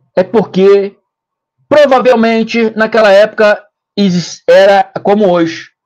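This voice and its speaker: A man speaks at a very slow pace. His voice sits at a high pitch. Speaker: lay preacher / bible teacher. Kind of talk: bible study talk to online viewers. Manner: halting, with false starts. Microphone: has a microphone now, voice was quiet before.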